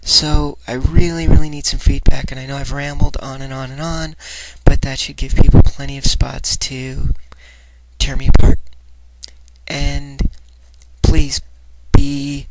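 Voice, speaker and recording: A woman talking casually and hesitantly in a personal vlog, her voice light in resonance, a little breathy and nasal, sounding unsure of herself. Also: a bass voice, little pitch movement, measured pace. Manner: hesitant, self-doubting. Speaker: voice trainee asking for feedback. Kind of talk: personal vlog, rambling confession. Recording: very noisy home recording, clicks.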